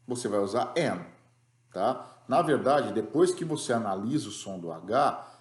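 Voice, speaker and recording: A Brazilian man giving a recorded English lesson, talking at a middle pitch. He explains each rule step by step and keeps checking that students follow. The room around him is echoey. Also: a little mellow. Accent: Brazilian Portuguese. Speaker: English teacher.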